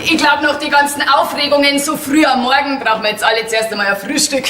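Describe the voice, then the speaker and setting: A woman's voice: high voice, steady tone, fast, a bit bright. A young woman with a Bavarian accent playing a pert, self-assured geriatric nurse in a folk theatre comedy. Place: theatre stage before an audience. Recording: echoey stage with faint noise.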